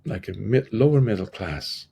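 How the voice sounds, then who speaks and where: A middle-aged man with an Iranian accent speaks in a husky voice full of creak. He is a guest in an interview, sharing personal stories in a reflective, conversational way. His English is that of a Persian speaker. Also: on the low side, lively intonation, normal speed, mellow. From Iran. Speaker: podcast guest, transformational coach.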